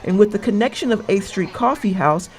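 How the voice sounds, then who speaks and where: A woman's voice: mid-range voice, expressive, brisk. A woman in her twenties delivering scripted local news reports as a student reporter. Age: 20s. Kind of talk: scripted news package narration and stand-ups.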